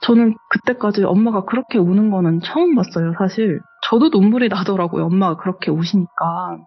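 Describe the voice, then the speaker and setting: A woman's voice: mid-range voice, a little fast, husky, highs cut off, faint music behind. A woman, the guest on a horror radio show, recounts a true ghost story in a conversational, matter-of-fact way.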